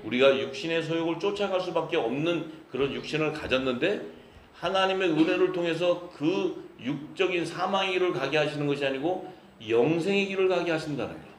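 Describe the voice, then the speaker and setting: A man's voice: a little high, a little fast, slight background noise. A man from Busan, preaching a sermon as pastor in a jovial, laughing manner and reading scripture. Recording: echoey church hall with congregation. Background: congregation answering amen.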